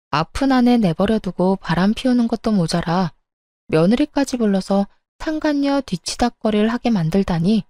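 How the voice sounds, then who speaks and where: Brief: woman storyteller, warm mellow tone, dry close sound, indignant confiding narration. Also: mid-range voice, dry recording. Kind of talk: scripted first-person story narration.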